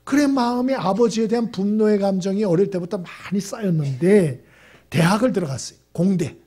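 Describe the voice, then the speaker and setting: A man's voice: sits high, a little fast, warm tone. A middle-aged man preaching a Sunday sermon in a church, telling a family story and asking the congregation rhetorical questions. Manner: storytelling, acting out quoted family dialogue. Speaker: pastor. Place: church sanctuary.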